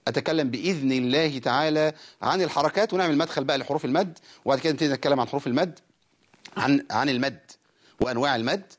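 An Egyptian man teaching Quran recitation on a broadcast lesson, explaining rules firmly and chanting verses of didactic poetry slowly. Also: medium pitch. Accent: Egyptian Arabic. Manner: firm, corrective explanations.

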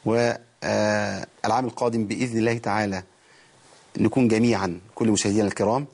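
A man with an Egyptian accent teaching Quran recitation on a TV programme, explaining rules in quick colloquial speech and reciting verses slowly. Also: lowish voice, steady tone, creaky, a little mellow. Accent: Egyptian Arabic. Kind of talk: TV recitation lesson.

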